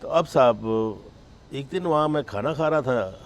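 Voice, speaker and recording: A man's voice: a little high, unhurried, slight background noise. An older man, a film actor, recounting stories in a casual interview, mixing English phrases into his speech. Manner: animated storyteller who mixes in English phrases.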